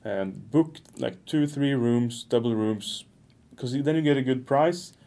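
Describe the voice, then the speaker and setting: A man's voice: medium pitch, unhurried, mellow. A man co-hosting a podcast in English, chatty and full of restarts, laughing often. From Norway. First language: Norwegian. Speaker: podcast co-host. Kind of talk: casual chat.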